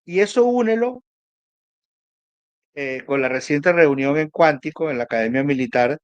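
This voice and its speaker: A man with a Venezuelan Caribbean Spanish accent discussing politics conversationally as an analyst, emphatic and halting, repeating phrases for emphasis. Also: on the high side, clear, resonant tone, no room sound, muffled recording.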